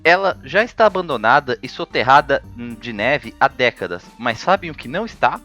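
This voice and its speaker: A man's voice: medium pitch, very animated, moderate pace, pushed and bright, faint music behind. A man hosting a history video, narrating from a script with ironic, jokey asides.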